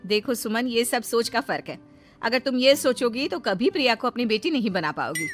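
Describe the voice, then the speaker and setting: A woman voicing a kind, wise middle-aged neighbor who reasons calmly in a cartoon story. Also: a little high, normal speed, soft background music, lightly acted. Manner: calm, reasoning, gently firm.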